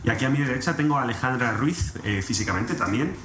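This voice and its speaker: A man's voice: medium pitch, animated, fast. A young man with an accent from Spain, chatting casually as a podcast host and interviewer. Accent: Spanish (Spain). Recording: roomy echo, clearly audible background noise.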